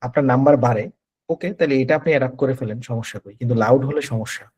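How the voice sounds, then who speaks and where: Mellow husky male coach. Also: medium pitch, fast. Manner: patient, advising, repeats points. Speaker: English test coach. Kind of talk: online coaching Q&A. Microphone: video call.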